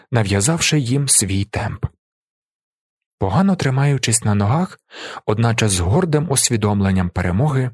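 A man narrating a story in an audiobook reading, lively and storytelling, raising his voice for the characters' shouts. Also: fairly low pitch, dry recording, studio quality.

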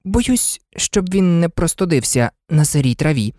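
A woman's voice: on the low side, lively intonation, unhurried, mellow, dry recording, studio quality. Sensible little girl, voiced by a woman. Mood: earnest. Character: sensible polite young girl.

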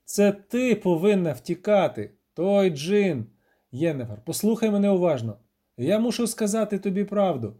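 A man's voice: sits high, expressive, moderate pace, warm tone, voice pushed up. A man voicing a tough witcher who insists on being heard in a fantasy audiobook. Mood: insistent.

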